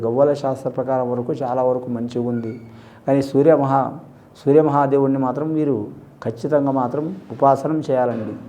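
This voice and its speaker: A man giving a horoscope reading in a steady, explanatory way, politely tacking "andi" onto his sentences. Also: mid-range voice. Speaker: astrologer.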